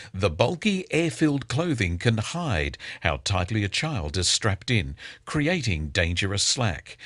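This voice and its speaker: Animated Australian male radio newsreader. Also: medium pitch, dry recording, clean studio sound. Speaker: radio news presenter. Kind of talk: scripted news bulletin reading. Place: close, dry radio studio.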